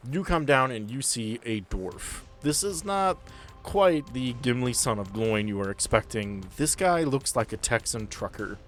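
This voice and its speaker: A man's voice: mid-range voice, lively intonation, unhurried, a bit bright. A man working as game master of a role-playing podcast, explaining and narrating casually with joking, sweary asides, with music behind him.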